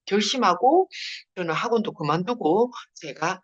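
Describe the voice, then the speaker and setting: Woman, Busan Gyeongsang accent, lively pitch, chatty seminar speaker, laughs often, dull video call audio. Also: measured pace. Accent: Busan Gyeongsang dialect. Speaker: network marketing leader giving a seminar. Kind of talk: Zoom seminar talk.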